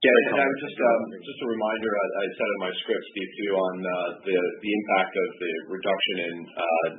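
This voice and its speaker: A man, a finance executive, answering questions on an earnings call in a brisk way that restarts phrases. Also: low voice, fairly even intonation. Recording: tinny phone line.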